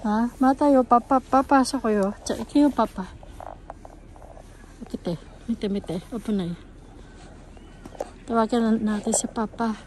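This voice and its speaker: A woman's voice: a little slow, long pauses, a little mellow. A Filipino woman chatting casually as a family vlogger and mother, mixing in Japanese and English words. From Philippines. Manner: talks to her children in between narrating, mixing in Japanese and English words. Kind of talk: casual vlog chat. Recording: noisy home-video sound with ambient rumble.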